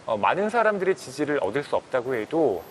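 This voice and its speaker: A man's voice: medium pitch, sing-song, fast, slight background noise. A man commenting on a book on a talk show, explaining emphatically like a storyteller. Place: broadcast studio talk show. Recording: music behind the voice.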